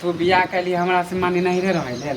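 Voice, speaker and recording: A woman playing a gruff village husband who scolds and threatens his wife, speaking with a Maithili accent in curt commands. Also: on the low side, fairly even intonation, fairly quick, natural voice. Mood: scolding. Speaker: comic sketch actor. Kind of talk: rural comedy sketch acting. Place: outdoors in a village. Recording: distant voice, loud outdoor village noise.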